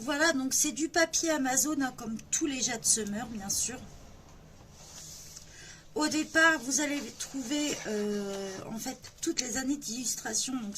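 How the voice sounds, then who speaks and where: A woman's voice: on the high side, fairly bright tone, slight background noise. A woman hosting her own coloring channel, presenting a coloring book page by page in a casual, hesitant chat full of fillers. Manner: chatty, hesitant with many fillers. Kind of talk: casual book flip-through.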